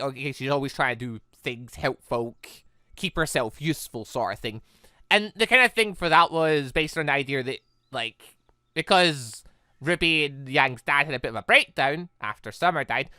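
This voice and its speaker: Bright, lively, rambling gamer commentary. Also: mid-range voice, no echo, clean studio sound. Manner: rambling, self-interrupting, excitable. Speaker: game streamer reading a visual novel aloud. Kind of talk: casual let's play commentary.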